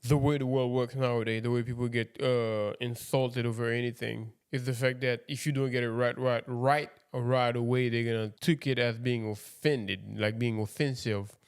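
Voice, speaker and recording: A young man from Haiti co-hosting a podcast in a relaxed, conversational way. His voice sits at an ordinary middle pitch. He tells anecdotes and acts out the dialogue of the people in them. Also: moderate pace, few pauses, smooth. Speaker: podcast co-host. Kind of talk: casual chat.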